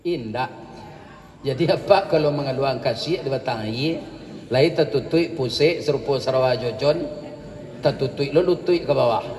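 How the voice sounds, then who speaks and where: A man with a Minangkabau accent preaching to a congregation, telling stories and jokes in a lively way and often turning to the crowd with questions. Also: mid-range voice, moderate pace. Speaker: Islamic preacher. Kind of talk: sermon with storytelling and jokes. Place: large hall with a congregation. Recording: echoey hall with long reverb.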